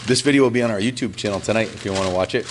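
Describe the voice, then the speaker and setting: A man's voice: lowish voice, racing, noisy background. A man hosting a video visit to a small bakery, full of enthusiastic, effusive praise for the food. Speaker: video host. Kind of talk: casual chat. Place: small bakery shop, indoors.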